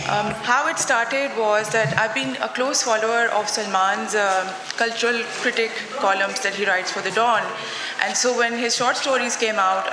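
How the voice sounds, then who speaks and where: In a reverberant hall with a clearly audible crowd, a woman moderates a book panel. Her mid-pitched voice is informal and conversational, a little hesitant between phrases. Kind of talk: conversational live introduction and interviewing. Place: festival stage before an audience. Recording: echoey hall PA with audience noise.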